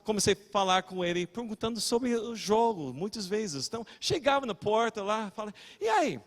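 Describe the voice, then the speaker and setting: An older male pastor preaches in a fairly high voice. He shouts his main points with force, then drops into relaxed, rambling anecdotes, stumbling and correcting himself as he goes. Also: moderate pace, in a large hall. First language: English. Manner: fiery preaching with shouted peaks, chatty storytelling and self-corrections. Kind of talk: sermon.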